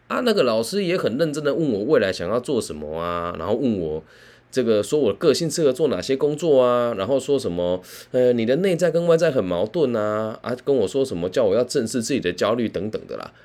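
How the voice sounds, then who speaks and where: A man's voice: mid-range voice, very animated, brisk, a little mellow. A man voicing a listless, cheeky teenage student with a drawling, offhand way of talking.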